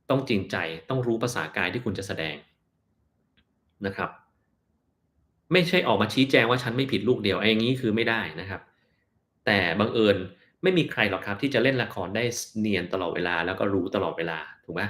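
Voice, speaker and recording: A man's voice: lowish voice, fairly bright tone. A man, a doctor from Thailand, answering viewers' health questions in a casual live stream, blunt and offhand. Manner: blunt, offhand, sometimes mocking in quoted asides.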